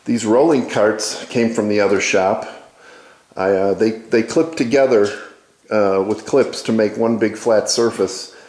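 An echoey indoor recording of a man with a fairly low voice. He talks casually and haltingly, thinking aloud as he narrates a workshop tour from behind a handheld camera. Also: a little mellow. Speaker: woodworking video host. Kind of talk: informal narrated shop tour.

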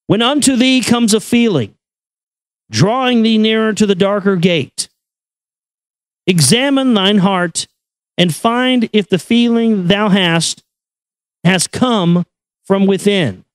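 A man giving a solemn, measured reading of an esoteric text in an incantatory, deliberate manner. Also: sits high, smooth, no room sound. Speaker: reader and commentator. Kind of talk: solemn recitation of an esoteric text with brief asides.

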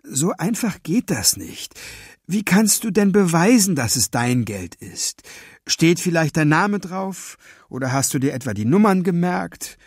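A man's voice: on the high side, very animated, measured pace, husky, dry recording, studio quality, voice pushed up, exaggerated voice. A man doing a strict bank cashier. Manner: strict, questioning.

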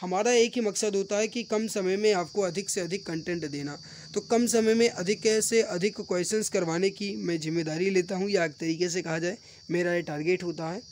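High voiced guy teacher running thru mock test questions briskly, some rattling wind noise behind him. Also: darkish tone. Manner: brisk, addresses viewers as brothers and friends, repeats questions. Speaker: online exam-prep teacher. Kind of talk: mock-test quiz lesson, reading and answering questions. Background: wind noise from a storm outside.

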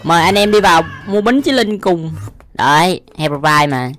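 Here a young YouTube host reacts to videos in a fairly high, expressive voice that's a bit bright, keeping a moderate pace. His commentary is casual and exclamatory, he's often amused, and background music plays throughout.

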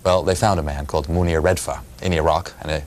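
A man from New York City with a very low, deep voice, recounting events in a measured, explanatory way. He speaks in a quiet television studio on a lapel mic, with a faint hiss behind him. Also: fairly even intonation. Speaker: author and radio reporter. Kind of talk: studio interview answers.

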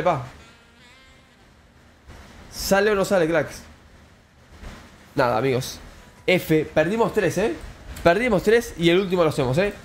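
A young man with a Rioplatense Spanish accent giving excitable Let's Play commentary, addressing viewers as friends. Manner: excitable, calls viewers "cracks" and "amigos", jumps high when thrilled. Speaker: gaming YouTuber.

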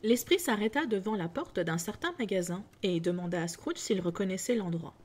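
A woman narrating a classic storybook in a calm, measured reading voice. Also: mid-range voice. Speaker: audiobook reader.

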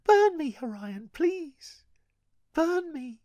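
A man voicing a desperate, defiant young girl who pleads in a raised, high voice. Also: very animated, very slow, a little mellow, dry recording, clean studio sound, heavily acted. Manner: pleading, high and breathy in places.

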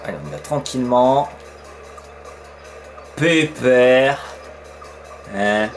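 A man's voice: medium pitch, lively intonation, slow pace. A man giving casual let's play commentary, chatty and peppering his talk with fillers, swearing when surprised. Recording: faint game music behind.

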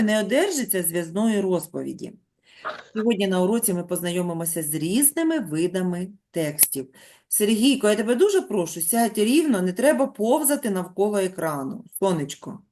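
A middle-aged woman teaching young schoolchildren, her pitch rising and falling lively as she explains. She stretches words out patiently and speaks clearly. She sounds like a teacher in a classroom. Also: a little hiss or hum. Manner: patient, drawn-out dictation to young children. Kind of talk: classroom lesson.

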